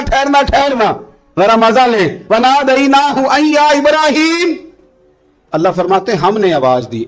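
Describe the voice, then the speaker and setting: A man preaching a sermon as a dramatic story, impassioned, rising to shouts and slowly intoning scripture. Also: a little high.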